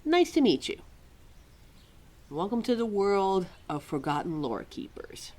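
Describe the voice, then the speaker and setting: Girl acting as a rambly lore keeper lady, slow talker, kinda indignant, chats to herself, audio roleplay. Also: mid-range voice. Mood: apologetic, friendly. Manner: rambling, talks to self, animated, sighing. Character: chatty, indignant woman keeper of forgotten supernatural lore. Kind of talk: ad-libbed audio roleplay, addressed to a listener.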